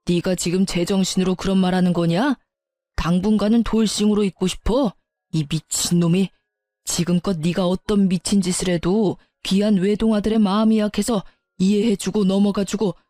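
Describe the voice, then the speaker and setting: A woman's voice: medium pitch, warm tone, no echo, clean studio sound, close to an everyday voice. A woman voicing an older father-in-law who berates his son with insults, in a dramatized story reading.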